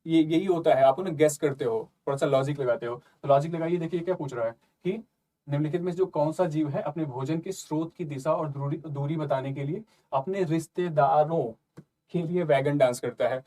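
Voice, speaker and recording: A man's voice: a little high, normal speed, mellow. Chatty male exam tutor. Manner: conversational, repeats "ठीक है" and "ना" often. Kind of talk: casual explanatory lesson.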